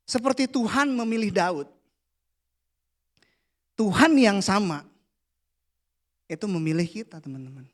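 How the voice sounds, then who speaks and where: A man, preaching a casual, playful youth sermon that drops to a hush for the prayers. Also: high-pitched, lively intonation, measured pace, pauses often. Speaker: youth pastor. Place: church hall.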